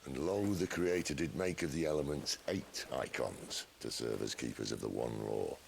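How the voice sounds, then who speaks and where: An actor playing a worldly middle-aged outlaw leader in a video game, wry, theatrical and unhurried, with a gravelly voice. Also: male voice, a little hiss or hum. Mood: wry, musing. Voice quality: very deep, gravelly. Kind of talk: video game cutscene voice acting.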